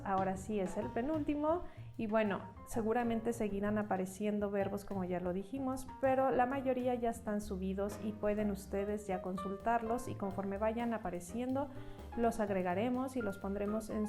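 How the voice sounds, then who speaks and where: A woman teaching an online Italian lesson, patiently drilling verb forms. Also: medium pitch. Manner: slow, patient drilling of conjugations.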